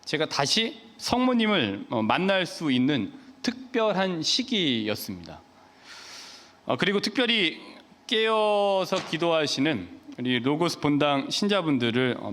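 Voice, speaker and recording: A man giving a Mass homily as a Catholic priest, speaking in a measured, gentle way with pauses and soft filler sounds. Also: medium pitch. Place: church. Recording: church with long reverb.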